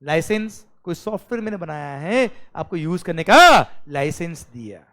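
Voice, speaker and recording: Animated Indian male tax lecturer, high voice with wide swings; drills terms like a chant. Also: normal speed. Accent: Indian English. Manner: animated teacher, calls students "beta", repeats "clear?" loudly; mixes Hindi with English terms, chants lists rhythmically. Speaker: GST lecturer for accounting students. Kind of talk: live recorded classroom lecture.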